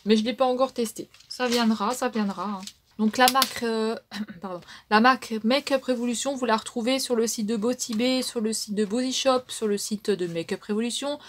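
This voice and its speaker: A woman with a French accent casually reviewing makeup palettes, chatty and full of fillers. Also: fairly high pitch. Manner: chatty, many fillers and "donc". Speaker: beauty vlogger.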